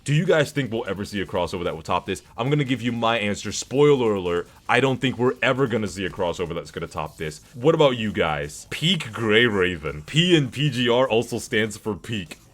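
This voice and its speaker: A man's voice: lowish voice, lively intonation, brisk, few pauses. A man talking casually as a streamer with his chat about games, in a slangy, rambling, hyped-up way with casual swearing. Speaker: streamer hosting a discussion with chat. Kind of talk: casual livestream commentary on video games.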